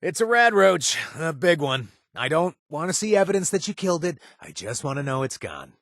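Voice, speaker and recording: Game companion, male, young adult, wisecracking mercenary, animated delivery, dry studio read. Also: on the high side, fairly quick, vocal fry, no echo, exaggerated voice. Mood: casual. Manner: casual, joking, with filler "uh"s. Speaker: quest-giving companion. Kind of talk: video game voice acting. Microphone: dry studio recording.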